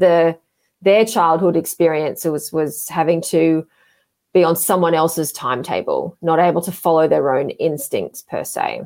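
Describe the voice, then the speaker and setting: A woman with an Australian accent has a fairly low pitch and a dark, mellow tone. The recording is very clean, with a silent background. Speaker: Enneagram coach. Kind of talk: casual chat.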